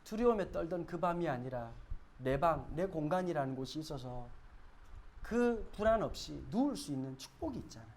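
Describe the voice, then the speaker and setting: A male pastor preaching a sermon, talking to the congregation in a conversational way, asking them questions and swinging from quiet asides to loud shouted scenes. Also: a little high, animated, normal speed, slight background noise.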